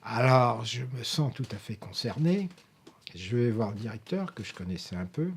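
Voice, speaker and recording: A man's voice: mid-range voice, expressive, moderate pace, vocal fry, slightly rough. An older man from France recalling a story in an interview, rambling with frequent hesitations and self-corrections. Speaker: interviewee, professor emeritus. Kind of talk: filmed interview, anecdotal recollection.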